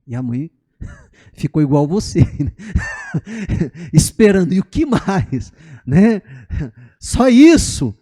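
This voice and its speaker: A man's voice: high-pitched, slow, long pauses. A male pastor preaching a sermon in church, telling a story and often checking in with the congregation. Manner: animated storytelling, keeps asking the congregation "né?" and "amém". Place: church during a live service.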